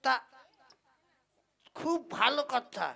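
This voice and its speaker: Woman doing a high nosy questioner, teasing, deliberate, comic puppet show. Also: lively intonation, creaky, pushed and bright, heavily acted. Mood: inquisitive. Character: nosy, teasing questioner quizzing a dying man. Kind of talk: comic puppet-play acting.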